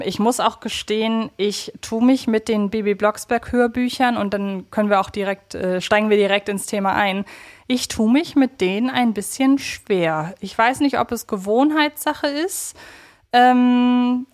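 Chatty woman with a higher-pitched voice. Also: a little slow. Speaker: podcast co-host. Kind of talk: casual fan podcast chat.

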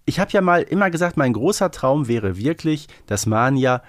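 A man's voice: medium pitch, animated, moderate pace, no room sound. A man chatting casually as a podcast co-host, musing and often tagging remarks with a short question. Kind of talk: casual conversational fan podcast talk.

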